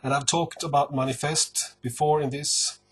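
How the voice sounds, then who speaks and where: A man from northern Sweden with a Swedish accent, talking casually to camera about his record collection in an unhurried, hesitant way full of pauses. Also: on the high side, fairly even intonation, husky.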